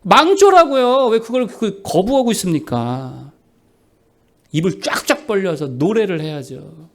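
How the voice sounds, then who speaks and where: A male pastor delivers a sermon in a church, his voice set high and swinging widely in pitch. He preaches with animation and acts out the voices of the people he quotes. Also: big pitch swings, measured pace. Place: church sanctuary.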